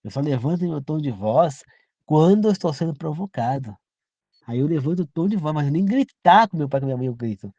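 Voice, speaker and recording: A man's voice: a little high, expressive, brisk, mellow, no echo, muffled recording. A man from Brazil giving an informal sermon, earnest and repetitive, often turning to the listener with direct questions. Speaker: preacher. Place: rural home.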